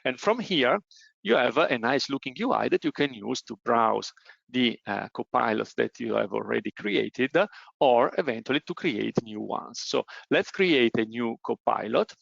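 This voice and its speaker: A man with an Italian accent presenting a technical software webinar demo, explaining step by step with frequent "uh" hesitations. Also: mid-range voice, lively intonation, unhurried, creaky, no echo, highs cut off. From Italy.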